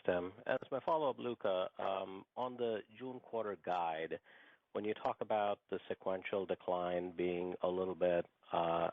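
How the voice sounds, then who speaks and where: A very low male voice comes over a dull, lo-fi conference line with no room sound. He is a financial analyst asking detailed questions politely. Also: dry recording. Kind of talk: polite questioning on an earnings call.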